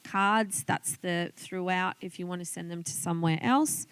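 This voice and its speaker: Speaking at a normal speed in a lowish, steady voice with a clean tone and no echo, a woman with an Australian accent runs through video tips. She is an online business coach, and her tutorial is informal, a step-by-step chat over a screen demo where she thinks aloud.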